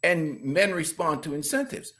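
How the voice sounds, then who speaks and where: Bahamian-born male podcast guest, raised voice, lively swinging delivery, emphatic and opinionated. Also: on the high side, moderate pace. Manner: emphatic, animated, laughs while talking. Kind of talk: casual opinionated podcast talk.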